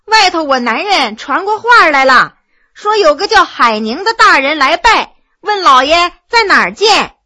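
A woman's voice: very high-pitched, big pitch swings, measured pace, bright, forceful tone, exaggerated voice. A woman voicing a flustered, tearful servant's wife delivering a message, in a told story.

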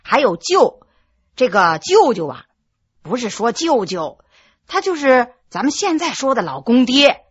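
A woman storyteller voicing a male scholar who chants classical text slowly and explains things patiently. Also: on the high side, sing-song, slightly rough, no echo, highs cut off, full character voice. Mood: patiently explaining.

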